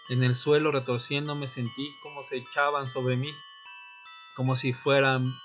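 A man playing a tormented young vampire, narrating an audio drama in the first person with solemn, deliberate, dramatic pauses. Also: medium pitch, natural voice. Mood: grim, anguished. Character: Fernando, tormented newly turned male vampire recounting his death. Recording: music bed under the voice.

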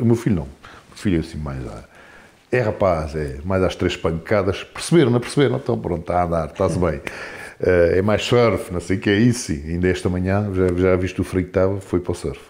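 A man in his forties, a guest in a casual interview, talking in a rambling, animated way with many restarts. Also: low-pitched. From France. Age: 40s.

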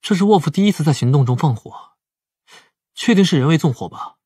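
A man playing a calm, analytical detective in his twenties in an audiobook drama, speaking in a measured, explanatory way. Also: fairly high pitch, husky, dry recording, clean studio sound. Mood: inquisitive. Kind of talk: Mandarin audiobook drama acting.

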